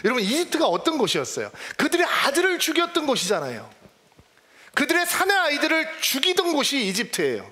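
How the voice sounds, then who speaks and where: High-voiced pastor preaching in a reverberant church. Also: male voice, huge pitch swings, a little fast, sharp tone. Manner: conversational preaching, asks the congregation questions. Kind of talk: sermon.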